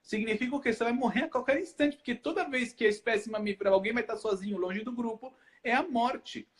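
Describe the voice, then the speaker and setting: A man's voice: very high voice, quick pace. A man from Brazil, a hypnotherapist hosting a casual live chat, explaining with rhetorical questions that he answers himself. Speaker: hypnotherapist host.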